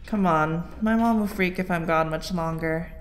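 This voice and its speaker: A woman's voice: lowish voice, normal speed, soft background music, lightly acted. A woman playing a practical, kind teenage girl hero in an audio drama, casual and reassuring.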